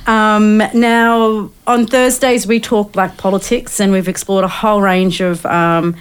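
A woman's voice: medium pitch, measured pace, clean tone. An Australian woman hosting a talk radio show, speaking in an easygoing way with frequent ums. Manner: relaxed, hesitant with many ums.

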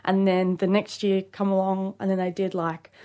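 A woman in her late twenties speaks with an Aboriginal Australian English accent. Her voice sits at an average pitch. She talks like a relaxed studio guest in casual conversation, filling her sentences with "like" and "you know". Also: normal speed. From Queensland, Australia. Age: late 20s. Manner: informal, with frequent "like" and "you know". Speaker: studio guest, rugby league player. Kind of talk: casual interview chat.

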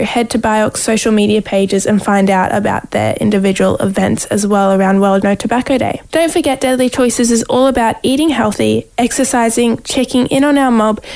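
Creaky, higher-pitched Aboriginal Australian woman radio host. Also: darkish tone. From Western Downs region, Queensland, Australia. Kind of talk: scripted radio presenting.

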